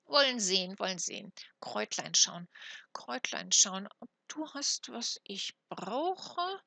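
A woman reading aloud, voicing a spiteful ugly old crone with a croaking, hoarse voice and a muttering, sneering manner. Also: medium pitch, big pitch swings, unhurried, pushed and bright, no room sound, full character voice.

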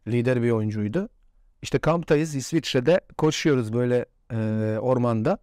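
A man's voice: medium pitch, normal speed, darkish tone, no echo, studio quality. A former footballer in his forties, a man, telling stories in a casual interview and laughing often. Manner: chatty anecdotes with frequent laughs.

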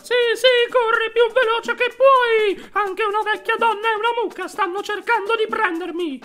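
Gingerbread Man: a very high, bragging cookie boy. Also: steady tone, normal speed, fairly bright tone. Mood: taunting. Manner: sing-song bragging taunts. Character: cheeky boastful gingerbread man, small and quick. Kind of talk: animated cartoon voice acting.

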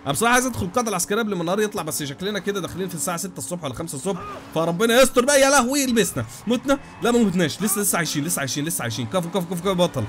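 A young man with an Egyptian Arabic accent giving rapid, animated gameplay commentary with frequent exclamations. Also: high voice, a little hiss or hum. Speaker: gaming YouTuber.

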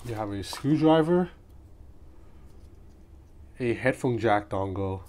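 Speaking slowly with lively intonation, a man with a low, darkish voice reviews gadgets in an informal unboxing vlog, musing aloud as he handles the product. The small room at home is clearly noisy, picking up ambient sound from the street.

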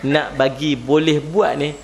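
A male preacher with a Northern Malaysian Malay accent delivers a sermon at a religious gathering. His voice sits a little high. He jokes, laughs easily and keeps tossing questions to the crowd. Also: fairly even intonation, unhurried, vocal fry. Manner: jokey, laughs often, asks the audience questions. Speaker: Islamic preacher. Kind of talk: humorous sermon.

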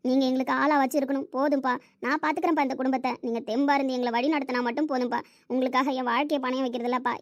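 A woman's voice: sits high, a little mellow, no echo, studio quality, lightly acted. A young woman playing a self-sacrificing daughter who pleads with and reassures her father. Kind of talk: amateur family drama acting.

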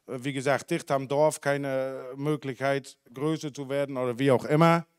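A man in his forties from the Netherlands, a dairy farmer speaking German with a Dutch accent, giving a halting talk full of fillers and self-corrections into a handheld mic in a conference hall. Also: medium pitch, fairly even intonation, clean tone, studio quality. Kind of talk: unscripted talk at a symposium. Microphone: handheld microphone.

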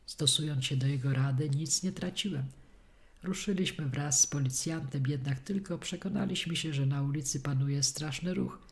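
A woman reading a detective story aloud as a steady first-person audiobook narration. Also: deep voice, moderate pace. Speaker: audiobook reader.

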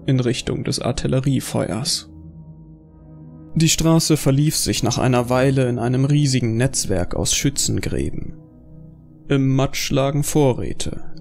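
A man's voice: mid-range voice, gravelly, darkish tone. A man reading scripted narration for a horror audio drama as its narrator. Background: faint music.

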